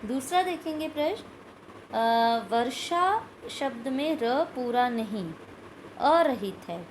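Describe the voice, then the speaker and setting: A woman's voice: fairly high pitch, expressive, slow, a little hiss or hum, rough recording. A woman teaching a recorded school Hindi lesson, explaining step by step and repeating words and sounds aloud. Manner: asks questions of pupils, adds "ठीक है" often.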